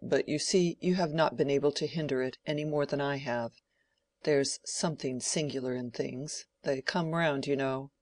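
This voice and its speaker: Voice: medium pitch, fairly even intonation, moderate pace, no room sound, natural voice. Older male squire, rambling and fretful, audiobook, reader doubling; dry booth. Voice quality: rambling, peppered with "you know". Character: rambling, distracted older male country gentleman. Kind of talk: audiobook character voice.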